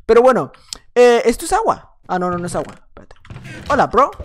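A young man giving excitable gameplay commentary at home, chatting nonstop, repeating words and breaking into shouts. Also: very high-pitched, a little fast, a little hiss or hum. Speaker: gaming YouTuber. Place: at home at night.

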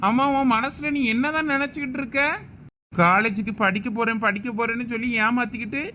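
A man's voice: very high voice, a little fast, bright, forceful tone, a little hiss or hum. An actor playing an angry middle-aged father who scolds his daughter and demands answers, stern and threatening. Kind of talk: village comedy skit acting.

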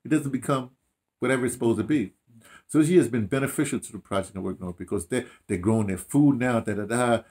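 An older man with an American accent chats casually, telling stories in an animated, rambling way with repeated phrases and slangy asides. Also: mid-range voice, quick pace. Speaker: interviewee, audio dramatist. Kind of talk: casual chat, storytelling. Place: small room indoors, seated.

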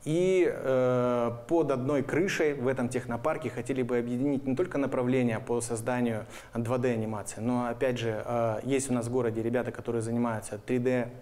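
A man in his thirties with a medium-pitched voice, speaking as an interview guest. He explains plans haltingly, pausing mid-phrase to find his words, in a studio setting. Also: fairly even intonation, darkish tone. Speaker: guest, animation studio representative. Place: indoor TV studio. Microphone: lapel mic.

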